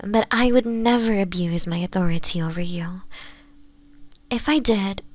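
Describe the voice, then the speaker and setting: A woman voicing a doting, possessive fox-woman mistress in an intimate ASMR roleplay, softly coaxing and often slipping into whispers. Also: mid-range voice, moderate pace, no room sound, lightly acted. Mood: persuasive, gently teasing. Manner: soft, breathy, coaxing, often dropping into whispers.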